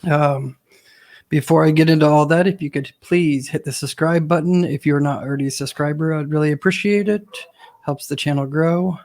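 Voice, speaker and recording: A man hosting his own channel, talking casually to viewers with a hoarse voice from a cold, full of ums and uhs. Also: on the high side, normal speed, darkish tone. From Ohio, US. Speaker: host.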